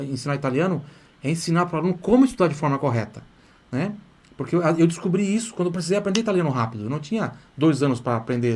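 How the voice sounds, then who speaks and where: A man's voice: fairly high pitch, a little mellow. A man from Brazil with a Brazilian accent, hosting a live online language class in an enthusiastic, coaxing way and checking in with his audience often. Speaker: language teacher and course host.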